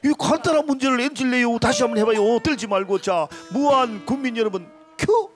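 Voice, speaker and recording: Animated middle-aged man hosting, high-pitched. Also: a little fast, soft background music. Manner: teasing, animated. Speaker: host of a televised singing contest. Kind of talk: bantering stage hosting. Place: open-air concert stage at night. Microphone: handheld microphone.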